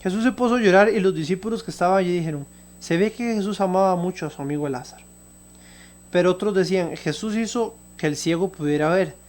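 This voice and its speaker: A man's voice: high-pitched, fast, a little mellow. Man preaching, reading and explaining scripture. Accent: Costa Rican Spanish. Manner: reads scripture then explains it conversationally, with fillers and restarts. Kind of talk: Bible reading and sermon commentary.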